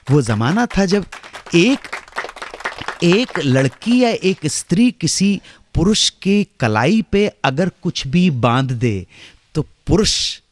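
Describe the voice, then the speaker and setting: A middle-aged man hosting a radio show, telling stories in a dramatic way that swings from hushed asides to loud exclamations. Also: medium pitch. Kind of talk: storytelling radio narration. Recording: radio broadcast with faint music underneath.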